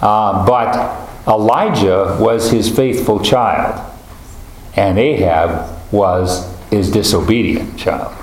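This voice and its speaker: A man leading a group Bible study, talking in a halting, thoughtful way with many fillers and restarts. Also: on the low side. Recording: roomy echo, faint ambience.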